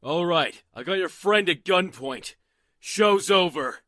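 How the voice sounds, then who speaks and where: A man playing a gruff, suspicious rural rifleman in an audio drama, folksy and threatening, easily rattled. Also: high-pitched, animated, takes it slowly, bright, forceful tone, no room sound, clean studio sound, full character voice. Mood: impatient, threatening. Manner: folksy, threatening, barking orders.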